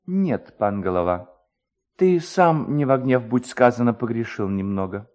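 A man's voice: medium pitch, animated, measured pace, darkish tone, close to an everyday voice. A man voicing a skinny, fawning, indignant village clerk with a singsong, complaining manner in a dramatised story. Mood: politely contradicting.

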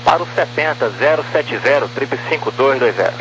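Male air traffic controller, brisk and terse, clipped radio phraseology, clear hum and static. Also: medium pitch, expressive. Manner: terse, procedural. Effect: aviation radio. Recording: noisy humming aviation radio.

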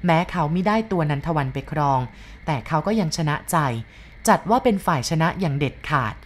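Female storyteller, expressive, wide-ranging melodic delivery. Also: deep voice, a little fast, a little hiss or hum. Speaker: narrator. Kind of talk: storybook narration.

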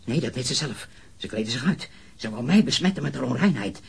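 A man's voice: mid-range voice, animated, fairly quick, gravelly, a little mellow, husky, heavily acted. An actor playing a disturbed, self-righteous male murder suspect, agitated, accusing and repeating himself in a crime drama. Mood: defensive, disgusted. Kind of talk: dramatic film-style crime acting.

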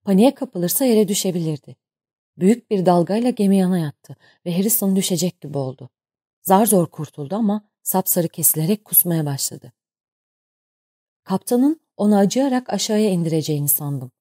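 Audiobook narrator, woman, steady and measured, mellow warm tone. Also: lowish voice, breathy edge, no room sound, clean studio sound. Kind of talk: scripted narration.

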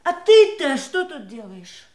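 An actress playing the bitter, combative adult daughter of a dying man in an audio drama, sharp, accusing and sarcastic. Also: very high-pitched, very animated, slow pace, full character voice. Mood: hostile. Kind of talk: stage-style audio drama acting.

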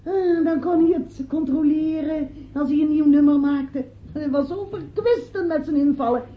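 An actress playing a genteel, effusive hostess devoted to an absent composer, in a Dutch radio play. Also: female voice, high-pitched, moderate pace, lightly acted. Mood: fond, effusive. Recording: muffled, roomy old radio play with crowd.

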